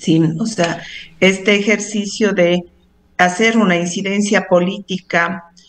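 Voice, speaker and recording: A woman with medium pitch speaks very slowly in a monotone, flat intonation at very even loudness. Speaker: lawyer, director of a rights organization. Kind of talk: radio interview.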